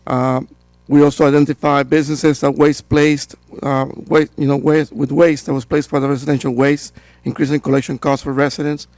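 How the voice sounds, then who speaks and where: Hoarse man presenting to a council. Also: fairly high pitch, brisk, dry recording. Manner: steady and procedural, with frequent fillers. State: hoarse from a cold. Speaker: code enforcement director. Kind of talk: formal presentation at a town council meeting.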